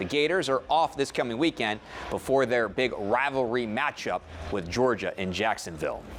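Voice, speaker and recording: Noticeable background noise runs under the speech. The intonation is lively and the pace fairly quick. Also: man. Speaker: TV news anchor. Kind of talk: newscast top stories.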